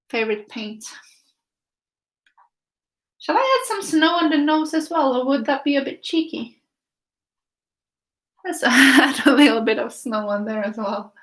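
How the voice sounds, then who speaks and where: Female art tutor, slightly high pitch, very unhurried delivery, casual thinking-aloud live class style. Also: a bit bright. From Finland. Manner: unhurried, thinking aloud in short phrases while painting. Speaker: art teacher. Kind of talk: casual live painting tutorial with viewer chat.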